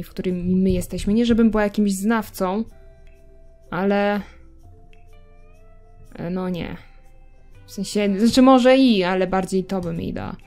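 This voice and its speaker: A young woman narrates her gameplay in a loose, chatty way. She talks straight to her characters and throws in self-mocking asides, her voice sitting at an ordinary middle pitch with faint music underneath. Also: darkish tone. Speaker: gameplay video creator. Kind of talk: casual gameplay commentary.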